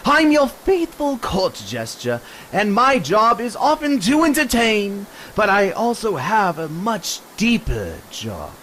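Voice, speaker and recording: Killer clown villain: very high, slow, mocking and menacing, radio drama, noisy background. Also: male voice, big pitch swings, heavily acted. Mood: mocking menace. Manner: taunting, sing-song, swinging from hush to shriek. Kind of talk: superhero radio drama acting.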